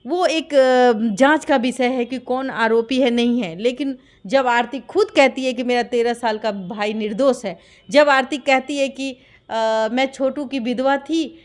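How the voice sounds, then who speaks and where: A woman with a Bihari accent, from Bihar in India, speaks at a measured pace in a high voice. She gives impassioned interview testimony about a dispute, insisting on her account and filling it with rhetorical questions.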